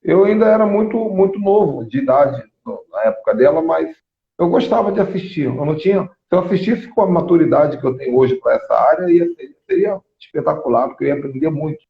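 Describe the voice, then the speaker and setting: A man, apostle and host, telling stories in a lively live religious teaching talk. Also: a little high, a little fast, gravelly. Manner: animated storytelling, many restarts. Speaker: apostle and prophet, show host. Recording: echoey, phone-like thin sound.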